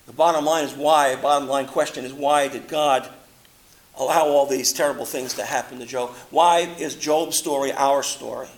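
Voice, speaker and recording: A man preaching a sermon, rising into loud, impassioned quotations and dropping into low, quiet asides. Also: steady tone, normal speed, low-quality recording.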